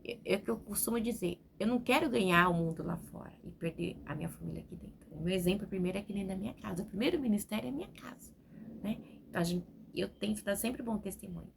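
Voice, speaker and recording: Woman preacher, forties, testimony sermon, gravelly fry, talkative and spontaneous, speaking from home. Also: mid-range voice, fast, noisy background. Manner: spontaneous, talkative, keeps adding "né?".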